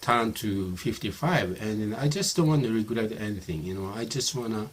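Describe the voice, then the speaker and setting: Talking informally to his viewers, a man in his fifties speaks at a normal pace with a fairly low pitch. He's a YouTuber whose native language is Japanese, and his accented speech keeps stalling on fillers and false starts.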